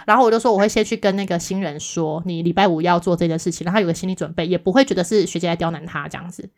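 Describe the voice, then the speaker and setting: A woman, co-hosting a casual chat podcast and telling a work story in a lively way, acting out the other people's replies. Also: fairly low pitch, rapid-fire. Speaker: podcast co-host.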